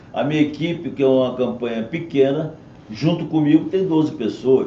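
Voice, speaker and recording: A man with a fairly high pitch talks at a moderate pace and ordinary pitch variation. Room echo is audible. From Rio de Janeiro, Brazil. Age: 60s. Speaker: physician and mayoral candidate. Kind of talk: interview. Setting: studio.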